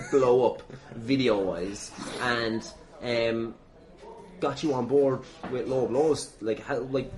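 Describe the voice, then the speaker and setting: A man's voice: mid-range voice, darkish tone. Jokey, rambling male podcast host. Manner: jokey, rambling, self-deprecating, often laughing through words. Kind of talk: casual comedic podcast interview chat.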